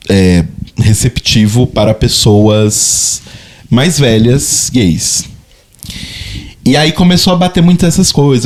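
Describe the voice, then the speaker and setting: A man's voice: mid-range voice, a little mellow. A man in his thirties with a Brazilian accent, co-hosting a podcast in casual chat, reflective and hesitant, often repeating words as he searches for them. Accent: Brazilian Portuguese. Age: 30s. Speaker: podcast co-host.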